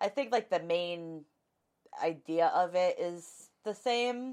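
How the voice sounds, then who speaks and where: A very slow, lively-toned delivery in an American accent, on a very clean recording with a silent background. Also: woman, medium pitch for a woman. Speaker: podcast co-host.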